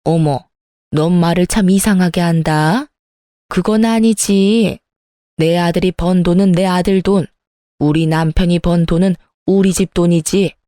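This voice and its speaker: A woman's voice: fairly low pitch, fairly even intonation, measured pace, warm tone, dry recording, clean studio sound, natural voice. Woman voicing a scheming mother-in-law. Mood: condescending. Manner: condescending, needling. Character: scheming greedy middle-aged mother-in-law.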